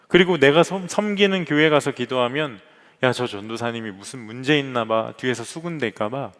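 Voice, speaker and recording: Young male pastor, earnest preaching, higher-pitched voice, long hall echo. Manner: storytelling, earnest, addresses the congregation directly. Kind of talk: sermon. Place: church sanctuary.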